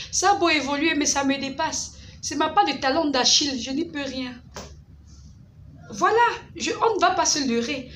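A woman's voice: high voice, fairly bright tone, a little hiss or hum. A young woman vlogging to camera about her skincare business, candid and emphatic, often asking rhetorical questions. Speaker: skincare vlogger and beauty product seller. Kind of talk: direct-to-camera vlog monologue.

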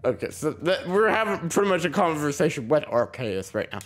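A young man hosting a gaming channel offers casual let's play commentary, rambling and self-deprecating, chuckling often while fighting a sore throat and a slight cough. His voice is a little high, sing-song and brisk.

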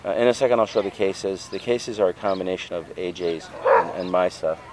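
A man's voice: deep voice, level tone, a little fast. A man filming a casual, rambling walkthrough of his vendor tables at an outdoor street fair on a handheld camera. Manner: chatty, rambling. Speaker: flea market vendor.

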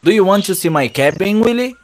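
A man's voice: sits high, expressive, normal speed. A man playing a friendly ship captain. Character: friendly male ship captain in textbook dialogue. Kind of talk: scripted textbook audio.

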